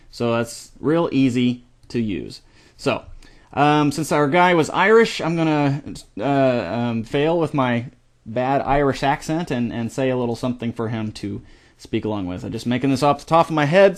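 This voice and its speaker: A middle-aged man hosting a screen-recorded software tutorial, talking casually with lots of fillers and restarts. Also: mid-range voice.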